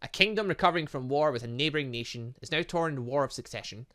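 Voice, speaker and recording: With a mid-range, expressive voice that's bright and forceful, this man talks at a quick clip. He's a gaming channel host doing a relaxed let's play of a visual novel, reading bits of text and chatting, thinking aloud, and muttering asides.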